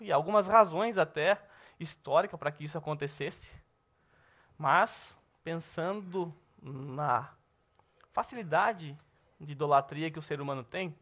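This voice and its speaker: A Brazilian man teaching a Bible class at church, lively and asking the class questions. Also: a little high. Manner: lively, asks the class questions, says "tá bom?" often.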